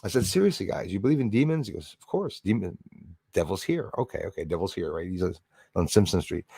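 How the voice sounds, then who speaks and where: A man's voice: deep voice, creaky, no echo, clean studio sound. A man hosting a livestream, talking in a rambling, chummy, conversational way to his viewers. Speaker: livestream host greeting viewers in chat. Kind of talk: casual livestream chat.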